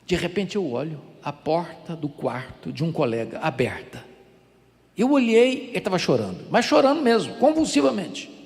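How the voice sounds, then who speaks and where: A man's voice: on the high side, sing-song, moderate pace, gravelly, darkish tone. An older man with a Brazilian Portuguese accent preaching a sermon as a pastor, telling stories with dramatic swings. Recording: echoey hall reverb.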